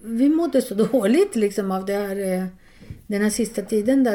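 In a Spanish accent, a woman talks at a fairly slow pace with a fairly high pitch. Her tone is dark and mellow, with ordinary pitch variation. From Chile. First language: Spanish (speaking Swedish). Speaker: professor. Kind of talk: interview. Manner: halting.

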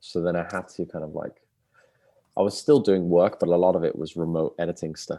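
With a Birmingham accent, a man talks at a fairly quick pace in a very deep, low pitch. His tone is dark and mellow, with ordinary pitch variation. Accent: Birmingham English (Brummie). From England, Birmingham. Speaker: watch brand founder. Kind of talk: interview.

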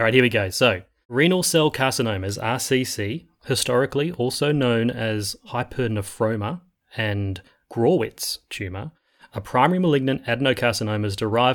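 Talking at a fairly quick pace, a man with an Australian accent speaks at medium pitch. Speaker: radiologist podcast host. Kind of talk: reading aloud. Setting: video call.

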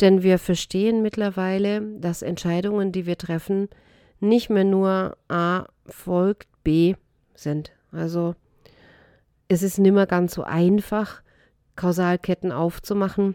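Very slow speech from a woman at medium pitch, with a dark, mellow tone, monotone, flat intonation and long, frequent pauses, recorded very cleanly against a silent background with a dry, close sound and no echo. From Württemberg, southwestern Germany. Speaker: podcast host, life coach. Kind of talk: reflective solo monologue.

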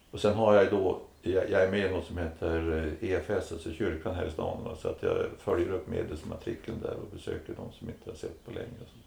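A man talks at a moderate pace, barely pausing, with big swings in loudness. Audible room echo and noticeable background noise surround his voice. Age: 70s. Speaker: priest and adventurer. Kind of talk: casual interview.

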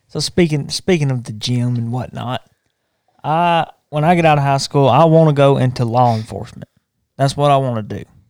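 Here a man talks with an American accent at a fairly quick pace. His pitch is fairly high, with ordinary variation. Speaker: podcast co-host. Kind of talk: casual chat. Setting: studio. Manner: quiet, says little.

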